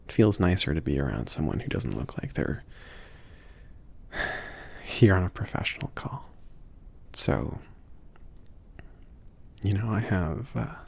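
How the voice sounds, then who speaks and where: A man acts out a gentle, obliging mage who runs a potion shop, in an intimate ASMR roleplay. His low voice is breathy and husky, swinging loosely in pitch and often sinking toward a whisper. He talks slowly and hesitantly, rambling and trailing off. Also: heavily acted. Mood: casual, helpful.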